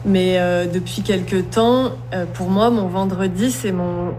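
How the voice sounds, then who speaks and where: A woman speaking as a guest in an interview, reflective and unhurried. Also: on the low side, warm tone, a little hiss or hum. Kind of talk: radio interview.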